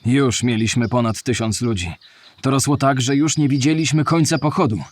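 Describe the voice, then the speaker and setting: A shipyard striker voiced by a male actor gives dramatised first-person testimony. The voice is mid-pitched and somewhat husky. He tells his account in a plain-spoken way, as in an educational radio play. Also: moderate pace, lightly acted. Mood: reminiscing, resolute.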